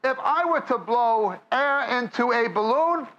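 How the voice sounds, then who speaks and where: A man's voice: very high voice, lively intonation, measured pace, fairly bright tone, muffled recording. A man with a New York accent preaching a sermon, reading scripture aloud and then explaining it to a live audience. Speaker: Bible teacher. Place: church or meeting hall with audience.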